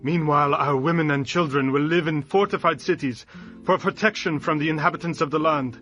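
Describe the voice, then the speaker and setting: A man's voice: on the high side, fairly quick, fairly bright tone, faint music behind, natural voice. An actor playing an earnest tribal herdsman petitioning his leader with deferential declamation in a dramatized audio Bible. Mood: earnest, resolute.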